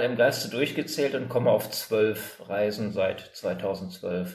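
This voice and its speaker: A man's very slow speech with hardly any pauses and noticeable background noise. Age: 50s. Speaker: interview guest, Korea traveller. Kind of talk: interview.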